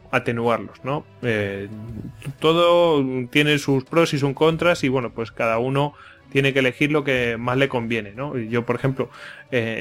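A man's voice: mid-range voice, a bit bright, clean tone. A man, a podcast host giving a casual spoken tutorial, talking chattily with many fillers and restarts into a dynamic microphone on a stand. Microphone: dynamic studio microphone on a stand.

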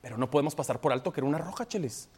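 A man's voice: a little high, animated, racing, darkish tone, slightly rough. A man arguing as a sports pundit in a heated panel debate, emphatic and insistent, hammering the same point again and again. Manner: emphatic, insistent, repeats his point over and over.

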